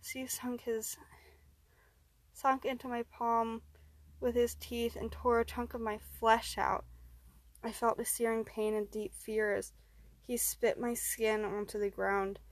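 A woman narrating a first-person horror story, steady and even, rising in tense moments. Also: on the high side, measured pace, no room sound.

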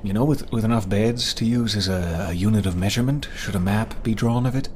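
An actor playing a dazed, wistful fantasy adventurer, speaking hesitantly in a horror audio drama. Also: male voice, fairly low pitch, fairly quick, darkish tone, slight background noise, natural voice. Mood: confused. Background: music.

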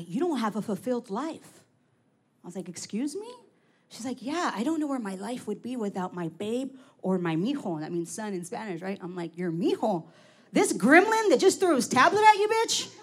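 Brief: high-pitched woman in her forties, loud and profane stand-up delivery. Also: slightly rough. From Los Angeles. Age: 40s. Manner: brash, profane, loud punchlines. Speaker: stand-up comic. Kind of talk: stand-up comedy set.

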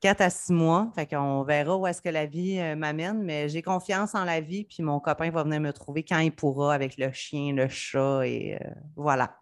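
A woman's voice: deep voice, steady tone, moderate pace. A woman in her thirties with a Quebec French accent, a podcast guest telling her story in a candid, personal way. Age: 30s. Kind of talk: casual podcast interview.

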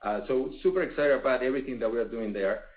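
A man speaking as a company executive, answering off the cuff on an earnings call, halting and full of fillers and pauses. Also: medium pitch. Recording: phone-like, echoey conference line.

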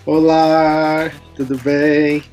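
A man's voice: on the high side, flat delivery, drawn-out words, darkish tone, soft background music. A man in his thirties with a São Paulo Brazilian accent, talking casually and playfully as a podcast guest. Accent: São Paulo Brazilian Portuguese. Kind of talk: casual conversational storytelling.

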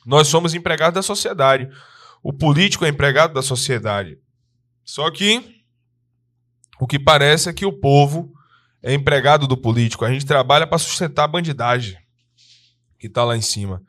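A man from Brazil who co-hosts a laid-back podcast. He reads viewer messages and answers them earnestly, speaking with conviction. His voice sits a little high for a man. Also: animated, normal speed, long pauses, fairly bright tone. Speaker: podcast co-host. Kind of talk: casual podcast chat, reading viewer messages.

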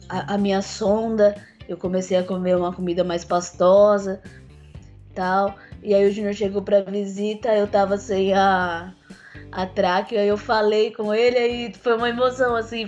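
A woman whose voice is still a little rough, telling her own story in an earnest, halting way with many restarts. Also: medium pitch, a little mellow, lo-fi sound. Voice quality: voice still rough since a tracheostomy. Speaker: interviewee. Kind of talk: personal account in a conversation.

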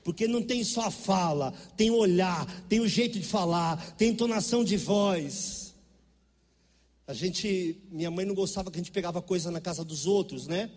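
A man's voice: high-pitched, moderate pace, a little mellow, in a large hall. A middle-aged Brazilian man preaching a sermon, telling stories in an emphatic, conversational way. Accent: Brazilian Portuguese. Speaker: pastor. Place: church.

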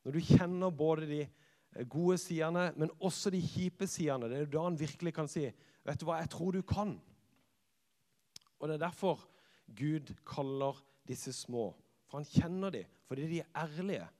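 A man, a church youth leader telling a personal story in a sermon, swinging from lively to hushed. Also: on the high side. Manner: lively storyteller who acts out quotes and drops to hushed tones. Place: church hall. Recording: long reverb of a church hall.

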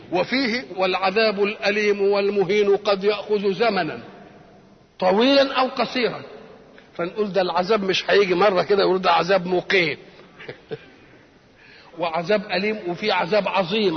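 A man's voice: high voice, fairly even intonation, brisk, in a large hall, muffled recording. An older man with an Egyptian Arabic accent giving a Quran commentary lecture, who keeps asking rhetorical questions and answering them himself. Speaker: religious scholar.

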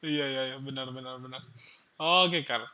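A man's voice: medium pitch, normal speed, a crowd in the background. A man hosting a casual chat, adding brief teasing remarks and prompts. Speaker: host.

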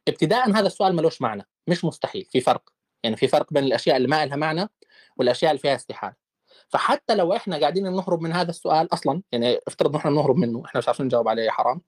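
This man speaks in a slightly high voice with studio-quality sound and no echo. He's hosting a casual online debate, animatedly firing off rapid rhetorical questions.

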